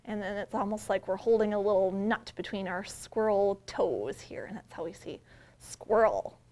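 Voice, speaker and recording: A woman hosting storytime as a children's librarian, talking simply to young children with questions, invitations and drawn-out emphasis when reading. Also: medium pitch, a little mellow. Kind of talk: children's storytime read-aloud with talk and action rhymes.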